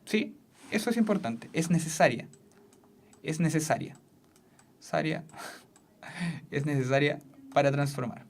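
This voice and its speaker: A substitute physics teacher gives a classroom lesson at a whiteboard. The teacher repeats each key point several times, keeps checking in with the class, and laughs easily. The voice sits at a middle pitch. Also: sing-song, a little slow, long pauses, slight background noise.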